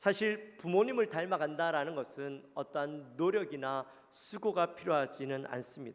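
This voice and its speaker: A fairly slow pace and ordinary pitch variation, in a Gyeongsang accent. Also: man. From Gyeongsang region, South Korea. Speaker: pastor. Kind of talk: sermon. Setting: church.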